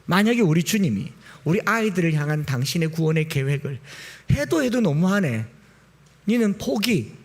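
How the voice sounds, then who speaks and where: A male pastor preaching a Sunday sermon, swinging between loud exclamations and quiet, low asides.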